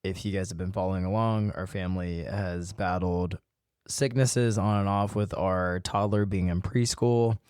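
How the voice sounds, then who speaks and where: Low, slightly hoarse male podcast host. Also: fairly even intonation, moderate pace, a little mellow, no room sound, clean studio sound. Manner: conversational, addresses listeners directly. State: voice worn from illness, slightly hoarse. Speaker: podcast host and physical therapist. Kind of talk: solo podcast talk.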